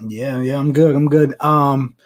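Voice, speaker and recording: A man with a stuffy nose co-hosting a podcast in relaxed, casual chat, swearing freely. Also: medium pitch, measured pace. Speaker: podcast co-host.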